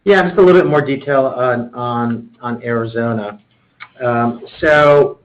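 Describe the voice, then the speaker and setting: A man's voice: medium pitch, a bit bright. A man speaking as a company executive, explaining business matters on a conference call. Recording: dull conference call audio.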